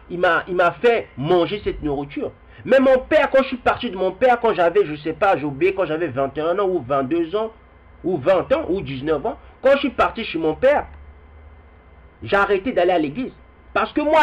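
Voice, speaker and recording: High-voiced man giving a rambling lo-fi talk. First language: Kikongo heritage language. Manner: rambling, repeats words, addresses viewers directly. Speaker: video commentator. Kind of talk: spoken video commentary with readings. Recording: dull lo-fi recording.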